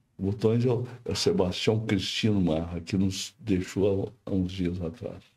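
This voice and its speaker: A man speaks in a somewhat breathy voice at a fairly slow pace. His intonation stays fairly even, and there are hardly any pauses. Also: fairly low pitch for a man. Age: 70s. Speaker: pediatrician. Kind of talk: interview conversation. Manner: halting, with repetitions.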